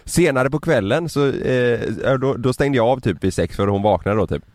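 A man's voice: mid-range voice, a little mellow, dry recording, studio quality. A young man co-hosting a casual podcast chat, telling rambling stories and swearing freely. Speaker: podcast co-host.

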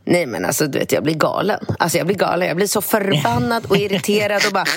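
A woman co-hosting a podcast, telling stories in animated casual chat and swearing freely. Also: lowish voice, husky, no echo, studio quality. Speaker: podcast co-host.

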